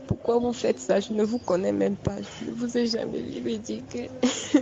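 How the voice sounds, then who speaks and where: A young adult woman giving a personal testimony, recounting events in a halting, repetitive, shaken way. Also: on the high side, fairly even intonation, gravelly, crowd noise. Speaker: witness recounting an assault. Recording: dull lo-fi recording with faint background noise.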